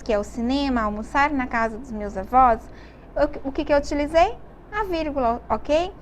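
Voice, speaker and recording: High-voiced Brazilian woman teaching grammar. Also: slight background noise. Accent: Brazilian Portuguese. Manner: explains slowly, with many check-in questions. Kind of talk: televised classroom lesson.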